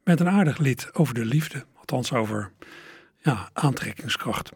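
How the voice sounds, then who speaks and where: A man presenting a music radio show, introducing songs in a musing way and pausing on hesitant fillers. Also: mid-range voice, expressive, husky, dry recording, clean studio sound. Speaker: radio host.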